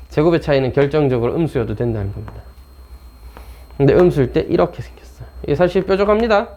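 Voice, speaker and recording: A man's voice: fairly high pitch, a little mellow, highs cut off. A man teaching math in an informal lecture, blunt and chatty, talking himself through problems. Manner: casual and blunt, talks to himself and teases the textbook.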